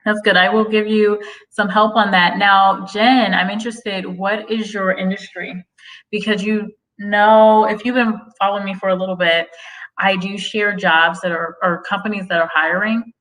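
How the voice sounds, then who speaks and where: A chatty woman hosts a casual livestream and works through viewer comments while drifting onto tangents. Her voice is bright and clear. She sits slightly back from the microphone. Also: medium pitch, steady tone, moderate pace, recorded from a distance, rough recording. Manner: chatty, goes off on tangents, laughs often. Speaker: host of a career-advice livestream.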